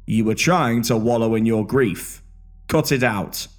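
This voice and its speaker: A man voicing a blunt, sardonic male medic who teases his comrade, over soft music. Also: mid-range voice, unhurried, lightly acted. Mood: teasing. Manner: blunt, sardonic, deadpan teasing. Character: gruff male medic, dry and teasing.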